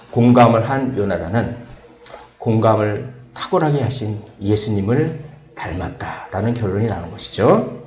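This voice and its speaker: A man pastor giving a sermon in a church, who often chuckles and acts out the quoted voices with a raised pitch. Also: echoey room. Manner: frequent fillers and soft chuckles. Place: church sanctuary.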